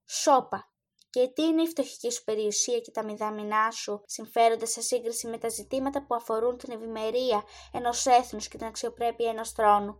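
Woman reading a bossy boy king, high voice, haughty, storybook. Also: lightly acted. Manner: haughty, commanding. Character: proud young boy king, imperious.

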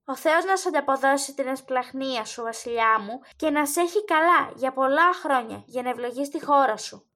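A woman's voice: high voice, pushed and bright. A woman voicing a frightened poor boy mistaken for a prince, speaking in a timid, pleading, raised voice. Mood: relieved, eager.

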